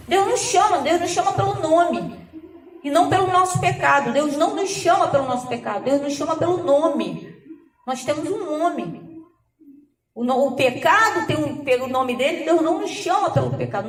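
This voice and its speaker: Very high-voiced woman preaching in an echoey hall. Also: far from the mic, slight background noise. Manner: animated storyteller, acting out dialogue. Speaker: pastor. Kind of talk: conversational sermon testimony. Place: church hall.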